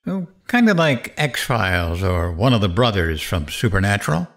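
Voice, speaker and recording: An actor playing a cocky, vengeful late-night radio host, sardonic and goading, in dramatic narration and interview. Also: male voice, lowish voice, sing-song, moderate pace, a bit bright. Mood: mocking.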